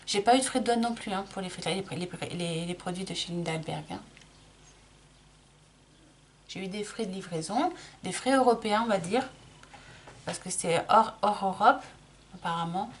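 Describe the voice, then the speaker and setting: A woman's voice: medium pitch, normal speed, pauses often, a little hiss or hum. A middle-aged woman chatting casually through a makeup tutorial, explaining each step with lots of small restarts. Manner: chatty, explains while applying, frequent restarts and fillers. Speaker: makeup vlogger.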